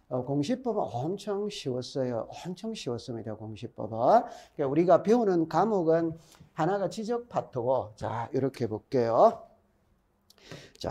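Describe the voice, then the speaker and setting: Middle-aged lecturer, Gyeongsang accent, lively up-and-down delivery, mellow tone, drills points by repeating them. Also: male voice, a little high. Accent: Gyeongsang Korean. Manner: chatty, repeats key points, quizzes students. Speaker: exam-prep instructor. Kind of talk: recorded classroom lecture.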